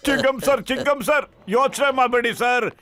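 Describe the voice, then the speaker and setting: A man's voice: very high voice, little pitch movement, normal speed, pushed and bright. A man voicing a cheerful, eager young sidekick in a dubbed cartoon, polite and sympathetic. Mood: reassuring. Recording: voice over cartoon music.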